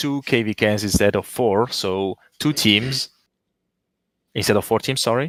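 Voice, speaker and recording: A man with a non-native accent speaks at a moderate pace and fairly low pitch, with ordinary pitch variation. The recording is very clean, with a silent background and a dry, close sound with no echo. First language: not English. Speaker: online game alliance council member. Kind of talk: interview on live stream. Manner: halting, many fillers and restarts.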